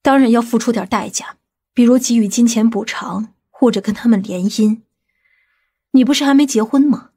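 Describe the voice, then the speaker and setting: A woman playing a stern, authoritative aunt in an audiobook, speaking in a firm, measured, commanding manner. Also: on the high side, warm tone, breathy edge. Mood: stern, insistent. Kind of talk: audiobook character acting.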